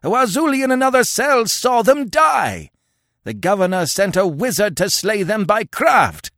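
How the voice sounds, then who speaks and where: A man's voice: high voice, sing-song, normal speed, a bit bright, no echo, clean studio sound, voice pushed up, exaggerated voice. A man voicing a gaunt old tribal chief in a storybook, howling furious accusations. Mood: furious, accusing. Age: older.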